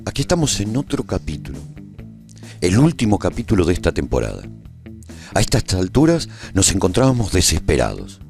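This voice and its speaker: A man playing a weary resistance fighter who narrates a post-apocalyptic war in a radio serial, in a solemn, deliberate storytelling manner. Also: lowish voice, darkish tone. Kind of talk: scripted dramatic radio narration.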